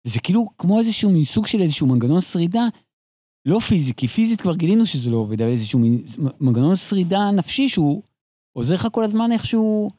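A man talking in a fairly high, very lively voice that rises and falls widely, with a mellow, dark timbre. He tells rambling stories as an interview guest, restarting sentences often. The recording is close and dry. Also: dry recording. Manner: animated, digressive, frequent restarts. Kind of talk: casual storytelling conversation.

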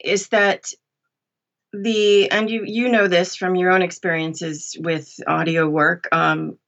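A woman with a slightly low voice chats as a podcast guest, giving practical advice. The sound is a bit muffled and lo-fi. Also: level tone, slow, a bit bright. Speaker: podcast guest, audiobook narrator. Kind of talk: interview conversation, giving advice.

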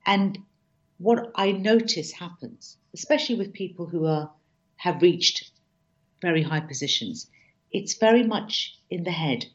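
A woman's voice: sits low, lo-fi sound. A woman speaking as a diversity and inclusion consultant, emphatic, with frequent restarts and repeated words. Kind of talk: conversational interview talk.

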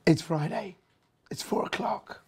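A hoarse host whose voice is nearly gone, leaving a husky, mellow, dark tone. The delivery is loose and casual, full of ums, restarts and opinionated side remarks as the host chats through the news. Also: mid-range voice, unhurried, faint music behind. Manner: rambling, filler-heavy, opinionated asides. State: hoarse, losing voice. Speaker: podcast host. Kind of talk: casual energy news commentary.

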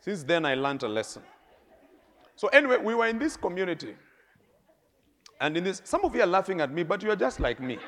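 A middle-aged man with a Kenyan accent, preaching a sermon with lively stories, laughing and swinging between soft and loud. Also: high-pitched, fairly quick, long pauses, slight background noise. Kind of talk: sermon with storytelling.

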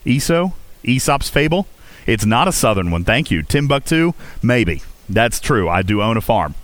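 A man from Virginia hosts a casual gaming livestream, talking in a mid-range, very animated voice at a moderate pace on a dry recording. He's talkative, reading and responding to viewer chat as he goes and repeatedly asking "okay?"

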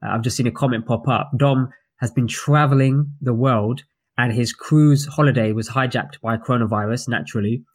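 A man's voice: mid-range voice, moderate pace. Chatty London man hosting a stream. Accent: British English, London. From West London. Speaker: co-host. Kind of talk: casual live-stream chat.

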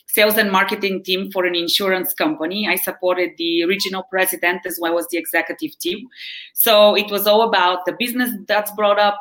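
A woman's voice: medium pitch, fairly bright tone, poor audio. A woman in her forties from Bulgaria with a Bulgarian accent, a wellness coach chatting as a podcast guest, laughing often and tagging lines with "right?". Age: 40s. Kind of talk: conversational interview.

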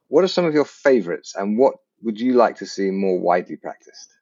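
A man hosting a podcast, asking his guest questions in a measured way. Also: on the low side, animated, a little mellow, lo-fi sound. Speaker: podcast host. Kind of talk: interview questions.

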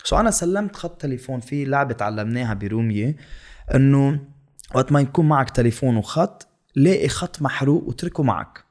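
Young Lebanese man, guest in casual chat, quick talker who mixes English words in. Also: medium pitch, lively intonation, a little mellow. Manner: fast, mixes English words into his talk. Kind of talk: casual storytelling.

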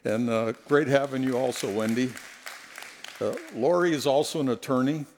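A middle-aged man preaching a sermon in a church on a headset mic, telling stories and acting out quotes in an animated way. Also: mid-range voice, normal speed, some chatter behind, slight background noise. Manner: animated, storytelling, acts out quotes. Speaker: guest preacher. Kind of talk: sermon with humorous anecdotes. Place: church sanctuary.

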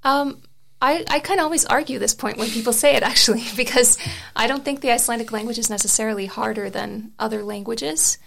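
A woman's voice: fairly high pitch, steady tone, fairly quick, gravelly, a bit bright, slight background noise. A young woman whose first language is Serbian, explaining her views thoughtfully as an interview guest. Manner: thoughtful, frequent restarts and fillers. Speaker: interview guest, article author. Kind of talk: conversational interview.

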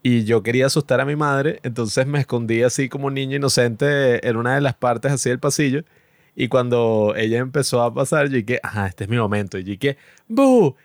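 A man who is a podcast guest, laughing often as he tells a lively childhood anecdote. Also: medium pitch, a little fast, dry recording, studio quality. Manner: laughing, animated anecdote teller. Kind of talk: casual podcast chat.

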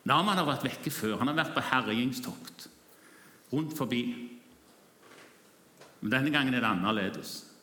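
Bright-voiced man telling a sermon story. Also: mid-range voice, roomy sound. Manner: vivid, imaginative retelling addressing the listeners. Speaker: preacher.

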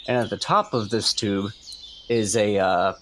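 A man at a tabletop game eagerly cuts in with an explanation. His voice is mid-pitched, and faint noise and birdsong sit under it. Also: steady tone, measured pace, fairly bright tone. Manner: eager, jumps in. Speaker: player.

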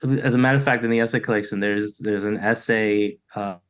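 On a video call interview, this middle-aged American poet talks reflectively in a loose way, restarting often and saying "you know" a lot. He speaks briskly in a steady, lowish voice.

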